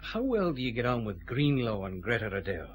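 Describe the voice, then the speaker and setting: An actor playing a calm, commanding Glasgow detective chief inspector in a radio drama, with a Scottish accent. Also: male voice, medium pitch, brisk, natural voice.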